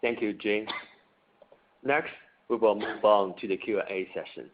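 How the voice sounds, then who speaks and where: Low-voiced man on a tinny phone line. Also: steady tone, measured pace. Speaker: call moderator and interpreter. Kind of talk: formal earnings call moderating and translating.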